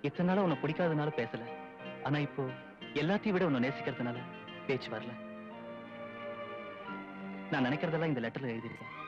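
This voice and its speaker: A man plays a bold young student leader with a slightly high voice that moves quickly. He speaks firmly and directly. The sound is dull, with film music in the background. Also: natural voice. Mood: tender. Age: young adult. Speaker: college student.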